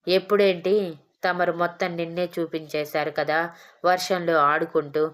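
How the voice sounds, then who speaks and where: A woman's voice: low-pitched, little pitch movement, normal speed, natural voice. A woman voicing a bold young husband who teases and mocks his shy wife, in a storybook reading. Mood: teasing.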